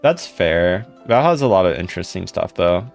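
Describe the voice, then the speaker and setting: Young male streamer, deep gravelly voice, laid-back rambling chat, faint music behind. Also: big pitch swings, normal speed. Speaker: live streamer. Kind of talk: casual live stream chat, reading comments.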